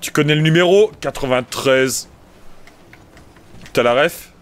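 A man's voice: a little high, lively intonation, a little slow. A man streaming a car-football game, chatting casually and teasing his friends with jokes. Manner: joking, teasing, bursts into silly singing. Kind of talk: casual gaming chat.

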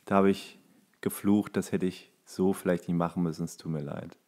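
A man's voice: sits low, fairly even intonation, moderate pace, a little mellow. Casual, slangy man telling anecdotes. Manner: slangy, colloquial. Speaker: podcast co-host.

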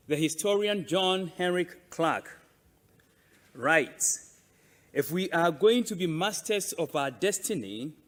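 A man delivers a formal, prepared address in a somewhat high voice. He speaks very slowly and deliberately, leaning on phrases between pauses, and his words ring with long reverb in a large hall. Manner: deliberate, measured, emphatic with pauses. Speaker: conference speaker presenting a museum.

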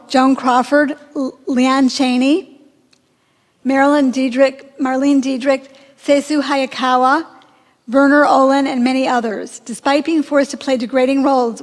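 A woman hosting an event, reading out a prepared introduction of the speaker and stumbling over some names. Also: sits high. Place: large lecture hall, seated at a lectern. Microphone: desk microphone. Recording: reverberant hall.

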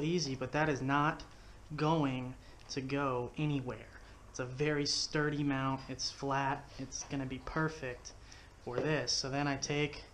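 A fishing video host from Texas gives a relaxed, step-by-step demonstration as he builds something by hand at home in his living room, filmed with a head-mounted action camera. He speaks at a medium pitch, with slight background noise.

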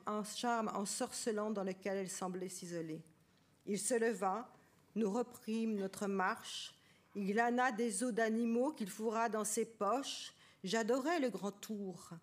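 A woman reading a first-person memoir aloud on a literary stage, measured and intimate. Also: mid-range voice. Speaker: reader of a memoir.

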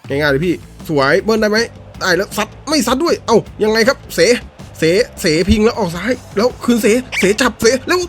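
A man calls his own football video game match in a loose, casual way, his voice jumping from low grumbles up to sudden high yelps. His pitch moves a great deal. Game music plays faintly under him. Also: very animated, a little fast. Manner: shouty, swings between low mutters and high yelps. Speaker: gaming YouTuber. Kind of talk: excited gameplay commentary.

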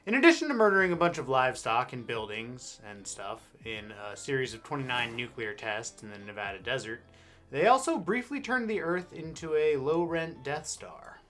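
An American man in his thirties hosts a scripted history piece with dry, sarcastic wit. His mid-range voice moves around a lot in pitch, over quiet background music. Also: normal speed. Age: 30s. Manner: wry, deadpan sarcasm. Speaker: host. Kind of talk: scripted comedic history narration. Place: indoor studio with backdrop.

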